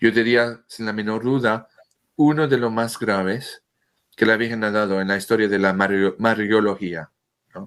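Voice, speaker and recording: A man's fairly low voice with a French accent, fairly slow and fairly even in intonation, on a very clean recording with a silent background. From France. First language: French (speaking Spanish). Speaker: religious speaker on Marian apparitions. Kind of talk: interview. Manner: halting.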